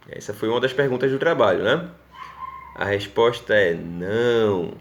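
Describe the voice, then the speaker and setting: A male teacher with a Pernambuco Brazilian Portuguese accent giving a recorded class lesson, explaining step by step and checking in with his students often. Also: on the low side. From Northeast Brazil.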